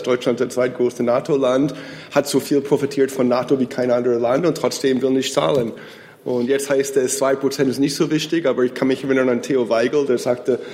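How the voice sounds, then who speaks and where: A man's voice: mid-range voice, a little mellow. A man from the United States whose first language is English, a freelance journalist introducing himself cheerfully and fluently on a panel. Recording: reverberant hall.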